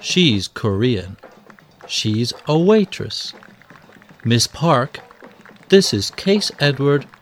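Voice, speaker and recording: A man reading scripted language-lesson audio, enunciating each word slowly and clearly. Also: medium pitch, very animated, faint music behind. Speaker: textbook audio reader.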